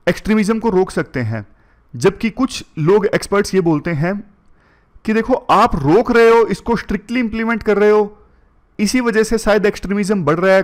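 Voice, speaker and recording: A man teaching current affairs for an exam, going through points one by one and mixing in English terms. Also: high voice. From India. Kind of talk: exam-prep lecture.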